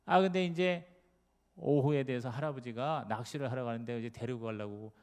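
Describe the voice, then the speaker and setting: A male pastor delivers a sermon in a mid-pitched voice, mixing storytelling with emphatic rhetorical questions. His words roll out through the long reverb of a large church sanctuary. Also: a little fast, darkish tone, clear, resonant tone.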